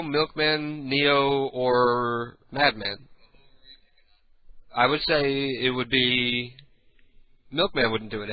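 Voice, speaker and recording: Raspy older man hosting radio. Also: dull audio. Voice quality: raspy, booming. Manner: rambling storyteller, frequent throat clearing. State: clogged ears and sinuses. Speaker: radio talk show host. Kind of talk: casual late-night radio talk, profane.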